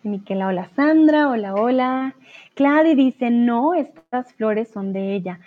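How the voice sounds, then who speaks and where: A woman's voice: fairly high pitch, expressive, a little slow. A woman teaching Spanish on a live stream, patiently reading out viewers' chat answers and correcting them, sometimes explaining in English or German. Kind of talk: live online language lesson. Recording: tinny narrow-band stream audio.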